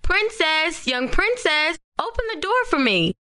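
Little fairy-tale frog, coaxing and bright, lively up-and-down lines, woman reading. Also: extremely high pitch, a little slow, pitched above the performer's own voice, exaggerated voice. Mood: pleading. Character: pleading small male frog, persistent.

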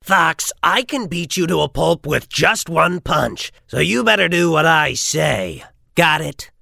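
An actor voicing a big, bossy, greedy male wolf in a children's cartoon story, gruff and threatening. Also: medium pitch, animated, a little slow, pushed and bright, no room sound, studio quality, exaggerated voice. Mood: bossy threat. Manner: gruff, threatening, gobbling and boasting.

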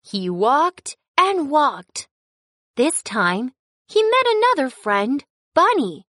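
A woman narrating a children's story in an expressive storytelling manner. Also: high voice, takes it slowly, dry recording, studio quality.

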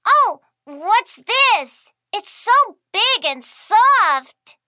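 A woman voicing an excited little girl princess who squeals and giggles, in a children's cartoon. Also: very high voice, drawn-out words, no echo, clean studio sound, exaggerated voice. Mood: curious. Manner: squealing, giggly, wide-eyed.

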